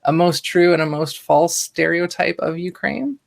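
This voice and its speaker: A woman's voice: lowish voice, moderate pace, gravelly. A woman hosting a podcast interview, talking casually and rambling a bit, with lots of fillers and restarts. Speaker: podcast host. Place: Toronto, Canada.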